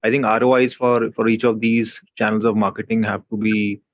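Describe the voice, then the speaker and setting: A man speaking as a company executive, giving unscripted answers to investor questions with measured, hesitant phrasing. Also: lowish voice, flat delivery, no echo. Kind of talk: unscripted earnings call answers.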